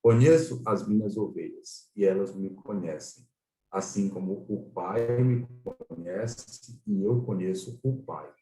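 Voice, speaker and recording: Brazilian male catechist, low mellow voice, didactic Bible lesson, echoey distant mic. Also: a little slow, soft background music. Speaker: catechist leading a Bible study. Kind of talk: explanatory Bible lesson with scripture read aloud. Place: online video-call class. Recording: roomy echo, distant microphone.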